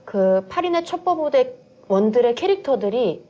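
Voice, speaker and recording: A woman's voice: a little high, very animated, moderate pace, dark tone, a little hiss or hum. A woman co-hosting a film review show, mostly giving short agreeing replies and plainly stating her own candid reactions. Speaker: co-host, comedian and TV personality. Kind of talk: conversational review chat.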